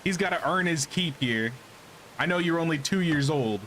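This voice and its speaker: A man's voice: on the high side, animated, moderate pace, a bit bright, slight background noise, poor audio. A man casually commenting on his gameplay during a live stream, thinking aloud and answering chat questions.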